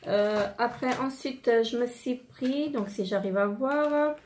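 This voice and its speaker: A woman in her thirties with a slightly hoarse voice, chatting casually through a product haul with many fillers and pauses. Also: fairly high pitch, darkish tone, slight background noise. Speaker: beauty vlogger.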